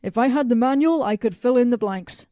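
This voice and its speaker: A woman's voice: fairly high pitch, fairly quick, warm tone, dry recording, studio quality, natural voice. A woman playing a blunt, brainy researcher with a frank, matter-of-fact manner in an audio drama. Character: blunt, brainy female researcher displaced in time.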